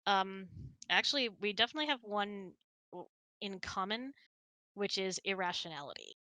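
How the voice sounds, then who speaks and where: A woman with a bright, forward voice chats casually as a host. She is giggly and animated when telling stories, and the sound is close and dry. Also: mid-range voice, moderate pace, no echo. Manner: giggly, chatty, animated storytelling. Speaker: host of a couple's online hangout. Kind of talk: casual chat, answering questions and telling anecdotes.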